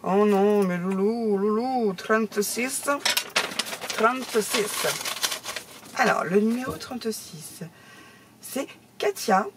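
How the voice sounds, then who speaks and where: A woman's voice: mid-range voice, slow, very noisy. Chatty laughing woman vlogger. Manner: chatty, laughs often, exclaims. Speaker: craft YouTuber opening fan mail. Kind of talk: casual chat to camera.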